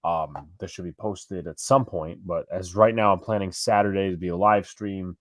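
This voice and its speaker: A man's voice: deep voice, fairly even intonation, moderate pace, no echo, clean studio sound. A man with a New York accent co-hosting a live fan stream, calling plays and chatting with viewers in a rambling, self-correcting way. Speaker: live stream co-host doing play-by-play. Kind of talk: casual live play-by-play and fan chat.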